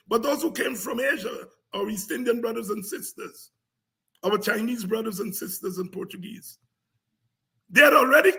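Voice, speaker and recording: A man with a Guyanese accent giving an impassioned, informal history lecture as a programme host, emphatic, repetitive and combative, with a raspy, gravelly voice. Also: extremely high pitch, pushed and bright.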